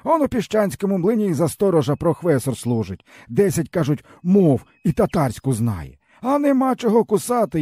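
A man's voice: sits high, dark tone, slightly rough, no echo, voice pushed up, full character voice. A man voicing a starving, bitter older peasant man who speaks in a plaintive, sighing, folksy way. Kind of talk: audiobook character voice.

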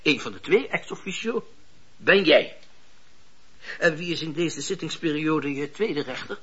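Husky, high-voiced scheming old judge. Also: male voice, animated, bright, forceful tone, heavily acted. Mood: calculating. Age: older. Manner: deliberate, lecturing, scornful. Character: shrewd, cynical old male judge, amused and scheming. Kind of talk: radio play acting. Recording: muffled, dull radio play recording.

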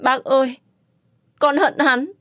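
A woman voicing a young woman who is grieving, pleading and shouting in an audiobook. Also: sits high, fairly even intonation, takes it slowly, no room sound, clean studio sound, voice pushed up. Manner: shouting and sobbing pleas. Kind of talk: audiobook character voice.

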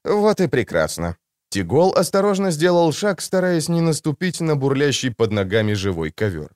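A man narrating an audiobook in an expressive, measured way. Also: a little high, clear, resonant tone, dry recording, clean studio sound. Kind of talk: scripted narration.

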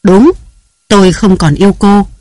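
A man's voice: sits high, a little slow, no room sound, clean studio sound. A man reading a furious jealous husband. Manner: harsh, shouted, commanding. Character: jealous, domineering young husband shouting threats.

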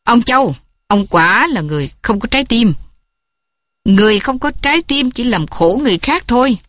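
A woman's voice: mid-range voice, lively intonation, moderate pace, dry recording, clean studio sound, lightly acted. A woman voicing an earnest young man pleading with his love's father.

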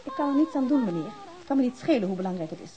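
A woman's voice: on the high side, lively intonation, very fast, dull audio, lightly acted. A woman playing a strict, bossy hospital nurse with a scolding manner in a Dutch radio drama. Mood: stern, indignant. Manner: stern, scolding. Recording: hissy old radio drama recording.

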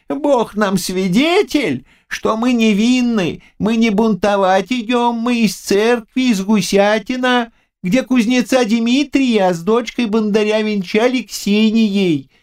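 A shrill pleading old peasant. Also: male voice, smooth, heavily acted. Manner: high, quavering, drawn-out begging. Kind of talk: audiobook character voice.

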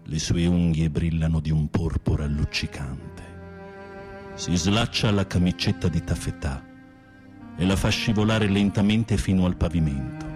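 An actor playing a flamboyant, flirtatious gay professor in prison, theatrical, teasing and arch, in a radio drama. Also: male voice, low-pitched, unhurried, over music. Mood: languid, sensual.

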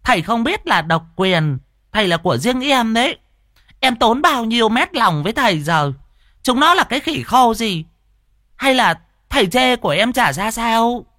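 A man voicing a fat, jealous middle-aged woman who sells tripe porridge, shrill and scolding. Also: very animated, normal speed, fairly bright tone, no echo, studio quality. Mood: possessive.

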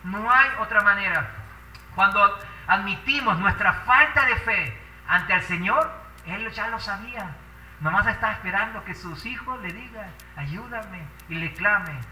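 A man's voice: high voice, a little slow, pushed and bright, roomy sound, distant mic, slight background noise, poor audio. A man preaching a sermon with passion, asking the congregation rhetorical questions.

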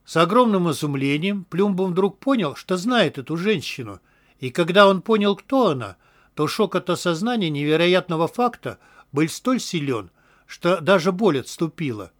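A man reading an audiobook as narrator, in a steady, measured way. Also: high-pitched. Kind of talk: scripted narration.

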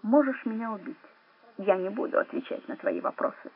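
A woman voicing a furious, proud male colonel who shouts and hisses threats, in an audiobook. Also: sits high, huge pitch swings, fairly quick, husky, exaggerated voice. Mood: enraged. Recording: narrow phone-like band.

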